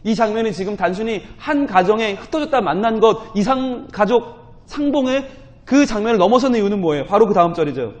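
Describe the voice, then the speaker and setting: A man's voice: high voice, expressive, fairly quick. A male pastor gives an early-morning sermon, telling the story with strong emotion and putting questions to the congregation. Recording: muffled lo-fi recording.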